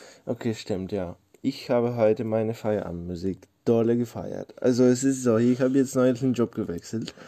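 This man has a medium-pitched voice with a dark, mellow tone and ordinary pitch variation. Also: moderate pace. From Ukraine. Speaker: podcast guest. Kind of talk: casual chat.

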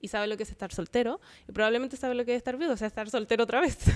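A woman with a Chilean accent speaks at a fairly high pitch with ordinary pitch variation, in a dry, close sound with no echo. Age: 20s. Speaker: podcast co-host. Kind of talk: casual chat about faith.

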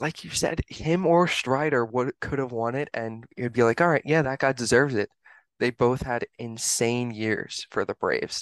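A man with a plain, everyday voice, moderate pace and ordinary pitch variation, dry, close sound with no echo, quiet background. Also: medium pitch for a man. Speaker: podcast host. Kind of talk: casual chat and interview.

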